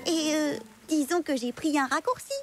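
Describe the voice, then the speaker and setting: A woman voicing an excitable, boastful young girl who flusters easily, in a French cartoon dub with gushing, theatrical delivery. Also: high-pitched, moderate pace, music in the background, natural voice. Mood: sheepish confessing. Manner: gushing, theatrical, hesitant when caught out.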